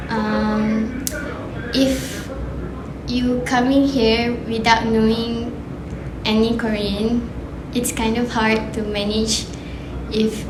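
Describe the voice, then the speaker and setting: Twenty-year-old woman, exchange student, very slow relaxed speech, echoey room. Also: on the high side, background noise. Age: 20s. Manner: slow, chatty, laughs easily. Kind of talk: casual interview answers.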